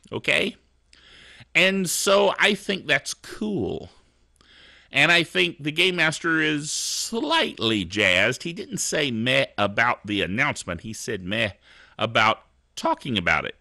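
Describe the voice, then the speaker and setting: Middle-aged male tech podcast host: chatty and lively with a lilting delivery, a slightly high voice, and a dry, close sound. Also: creaky, dry recording. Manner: chatty and animated, laughs at his own jokes. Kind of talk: casual tech news commentary.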